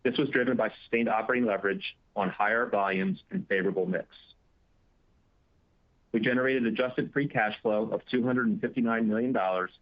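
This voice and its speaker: A man in a finance chief's role giving a prepared report of financial results, reading figures formally and steadily. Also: lowish voice. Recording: dull, band-limited conference call audio.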